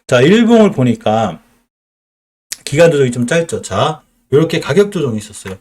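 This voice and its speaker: A man's voice: medium pitch, very animated, normal speed, a little mellow, slightly rough. A middle-aged man with a Chungcheong accent, teaching stock charts on a live stream, explaining and asking and answering his own questions. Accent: Chungcheong Korean.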